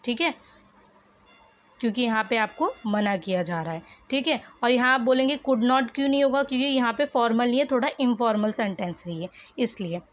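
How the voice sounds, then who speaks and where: A woman's voice: on the high side, fairly quick, muffled recording. A woman teacher, explaining a worksheet lesson patiently and repeating each answer for her students.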